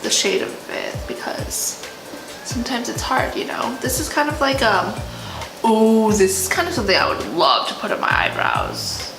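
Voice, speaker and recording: A woman chatting casually and excitably as a beauty vlogger, gushing over products while she has hiccups. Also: on the high side, moderate pace, gravelly. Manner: talking while having hiccups. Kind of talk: casual product unbagging chat. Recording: roomy echo, music behind. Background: music.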